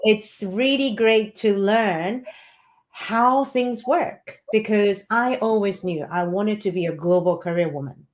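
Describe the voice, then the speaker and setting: Interview guest, woman, native Japanese speaker, relaxed chatty delivery. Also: medium pitch, slow pace. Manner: chatty, many "you know" fillers, laughs often. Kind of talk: casual interview conversation.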